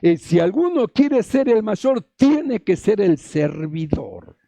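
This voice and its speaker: Gravelly pastor preaching. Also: male voice, sits high, big pitch swings, takes it slowly, warm tone, no echo. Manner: repetitive, asks the congregation rhetorical questions. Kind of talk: sermon.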